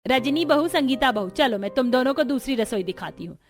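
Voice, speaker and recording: A woman's voice: sits high, lively intonation, brisk. A woman voicing a stern, traditional middle-aged mother-in-law who speaks firmly and with dignity. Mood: determined. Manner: firm and dignified.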